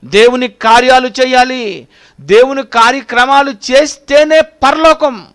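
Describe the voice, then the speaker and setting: A man with a strikingly high voice preaches to his congregation. He repeats phrases over and over and keeps asking his listeners direct questions. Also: a little slow, a bit bright, clean tone. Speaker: pastor. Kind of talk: sermon.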